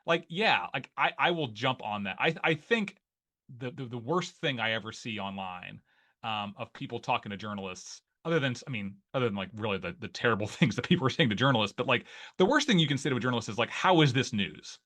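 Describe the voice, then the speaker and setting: A man in his forties from Northeast Ohio, speaking with an Ohio accent, appears as a guest in a casual interview; he is a newsletter writer. His mid-range, fairly bright voice is animated and fairly quick, and he rambles with many fillers and restarts.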